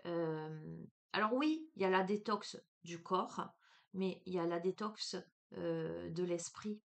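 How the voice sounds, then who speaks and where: A woman with a Marseille accent giving a spiritual card reading, talking casually and warmly to the listener with lots of fillers and restarts. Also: fairly low pitch, takes it slowly, gravelly. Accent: Marseille French. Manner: chatty, hesitant, many fillers, addresses listener as tu. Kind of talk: casual spiritual guidance talk.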